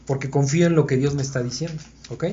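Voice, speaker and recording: Leading an informal Bible study for a small group, a man talks fast in a warm, steady, medium-pitched voice. He reasons aloud and regularly checks that his listeners are keeping up, on a dull lo-fi recording.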